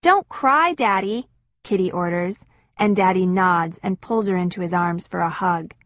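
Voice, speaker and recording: A woman narrating an audiobook in the first person with an expressive, wistful storytelling manner. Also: fairly low pitch, normal speed, dry recording, lo-fi sound.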